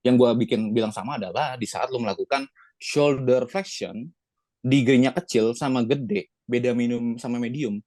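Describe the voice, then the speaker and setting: A man's voice: medium pitch, darkish tone, dry recording. A man, a fitness coach, talking insistently in an online roundtable while his call audio keeps breaking up. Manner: insistent, fast, interrupts to correct. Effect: choppy, breaking-up call audio. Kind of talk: heated online roundtable discussion. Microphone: video call. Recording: glitchy, cutting-out online call audio, dry.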